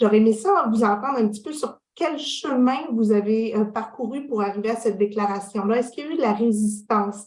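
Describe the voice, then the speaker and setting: A fairly high, somewhat breathy woman's voice in a Quebec accent, fairly quick and with hardly any pauses. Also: ordinary pitch variation. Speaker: public health director, interviewer. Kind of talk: interview.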